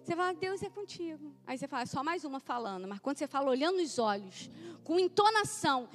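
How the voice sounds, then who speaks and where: A woman preaches a sermon in a high voice and talks straight to her listeners. She calls some of them by name and asks them to repeat her words. Soft music plays under her. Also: sing-song, quick pace.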